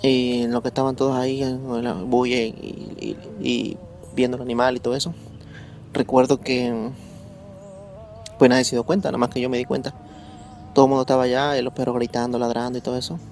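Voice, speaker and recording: Gravelly man recounting a story. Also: mid-range voice, flat delivery, a little mellow, faint music behind. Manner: halting, repeats words while recalling. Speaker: guest storyteller. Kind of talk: casual spoken storytelling.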